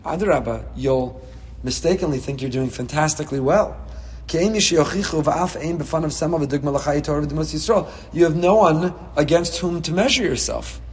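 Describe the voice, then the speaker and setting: A man giving a Torah class as a rabbi, reading Hebrew texts and explaining them with passion, swinging between soft and loud. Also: fairly high pitch, a little fast, long reverb tail. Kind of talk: Torah class on the weekly portion.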